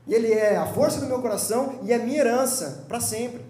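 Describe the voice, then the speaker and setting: A young man with a Brazilian Portuguese accent teaching a Sunday school sermon in a lively, joking, conversational way. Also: very high-pitched, fairly quick, echoey room. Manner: lively, joking, conversational preaching with quoted voices. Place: church hall.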